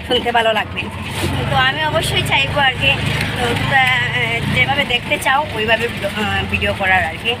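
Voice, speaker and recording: Woman, Sylheti-tinged Bengali accent, high voice, casual vlog chat, phone video, loud traffic behind. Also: brisk, a loud crowd. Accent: Sylheti-influenced Bengali. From India. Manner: chatty, addresses viewers directly. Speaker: vlogger. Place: outdoors and in an auto-rickshaw, on the move. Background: vehicle noise.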